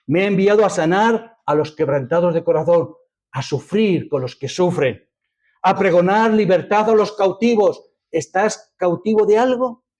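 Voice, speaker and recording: The preacher, a man with a Spanish accent, speaks in a high-pitched, slightly mellow voice at a moderate pace. His sermon to the congregation reads and unpacks scripture, marked by emphasis, repetition, and a fondness for rhetorical questions.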